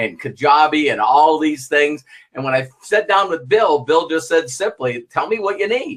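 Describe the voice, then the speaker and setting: Here a man speaks at a moderate pace. His pitch is fairly high. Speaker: online business coach. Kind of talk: webinar presentation. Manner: animated.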